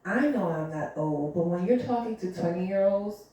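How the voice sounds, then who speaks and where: A woman's voice: on the low side, lively intonation, normal speed, mellow, a little hiss or hum. A woman in her thirties co-hosting a casual podcast chat, talking earnestly with lots of fillers and repeated phrases. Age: 30s. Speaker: podcast co-host. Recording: very echoey room, far from the mic.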